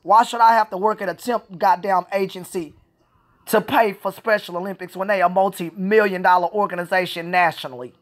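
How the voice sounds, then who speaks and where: A woman's voice: mid-range voice, steady tone, fairly quick. Frustrated woman venting. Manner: frustrated, repetitive, profane ranting. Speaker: Special Olympics athlete. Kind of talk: venting vlog monologue.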